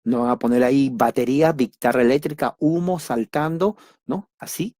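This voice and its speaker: A man teaching a church doctrine class, speaking deliberately in simple words and repeating key words for emphasis. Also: medium pitch, a little mellow, no echo, studio quality. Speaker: Bible study teacher.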